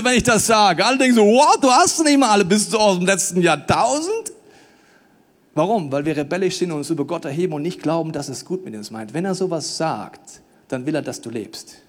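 A man preaching a sermon in a casual, colloquial way, swinging between loud emphatic pleading and low, quiet intensity, with acted-out asides.

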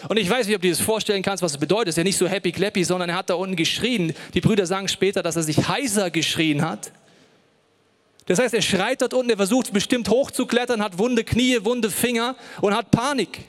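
A man's voice: sits high, fast, in a large hall. A male pastor giving a sermon in a church, speaking personally and directly to the listener and telling a story dramatically. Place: church hall.

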